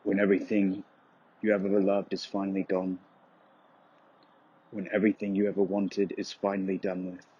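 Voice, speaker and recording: A man giving a solemn, brooding, measured dramatic narration of dark poetic prose with a husky voice. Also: deep voice, completely flat delivery, highs cut off. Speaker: voice-over narrator.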